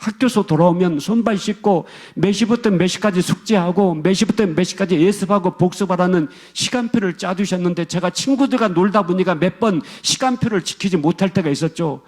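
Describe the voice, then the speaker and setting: A man's voice: mid-range voice, moderate pace, long pauses, dark tone, husky. A man voicing a grown man who cries out to his father, wailing and pleading with reproach. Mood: anguished.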